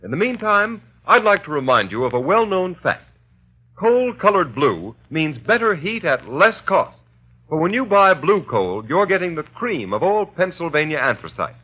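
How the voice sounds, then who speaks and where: A man's voice: on the high side, big pitch swings, normal speed, husky. Emphatic old-time radio announcer man. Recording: dull old radio recording.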